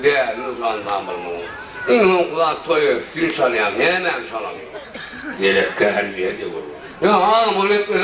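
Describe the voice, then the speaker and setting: A man from Turkmenistan, a satirical comedian, tells comic stories live on stage, now and then jumping into high shouted chants. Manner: lively, bursts into sudden high shouted chants. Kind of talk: live stand-up storytelling. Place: stage before a laughing audience. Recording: roomy live recording from a distance, crowd and noise.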